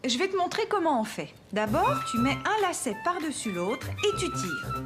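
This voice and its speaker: A woman's voice: sits high, sing-song, normal speed, loud music behind the voice. Maman de dessin animé, aiguë et chantante. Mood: cheerful, encouraging. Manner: gentle, explanatory. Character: patient, encouraging young mother of a small boy. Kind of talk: children's cartoon dubbing.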